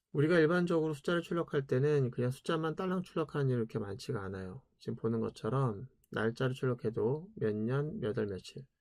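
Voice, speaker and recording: A man's voice: medium pitch, a little mellow, dry recording, studio quality. A man giving a casual programming lecture, chatty, asking rhetorical questions and answering them himself.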